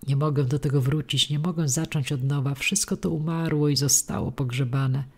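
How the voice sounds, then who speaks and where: A woman's voice: deep voice, steady tone, moderate pace, noisy background. A woman reading the part of a reserved, wounded middle-aged woman who speaks in a restrained, firm way, in an audiobook.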